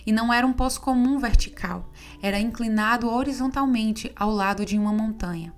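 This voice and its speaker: A woman with a somewhat high voice reads an audiobook aloud. Her delivery is steady and measured, in the even cadence of scripted narration. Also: soft background music.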